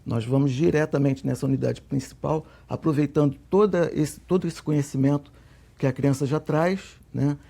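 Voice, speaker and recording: A Brazilian man with a Brazilian Portuguese accent, answering interview questions in a measured way and repeating his key points. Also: fairly high pitch, steady tone, creaky, warm tone. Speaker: guest, co-author of a literacy method.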